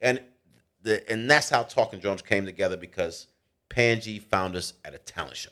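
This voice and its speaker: Recorded very cleanly with a silent background, a man with an American accent speaks at a medium pitch and a moderate pace. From Philadelphia, then Ghana from age twelve. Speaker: rapper. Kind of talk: casual chat.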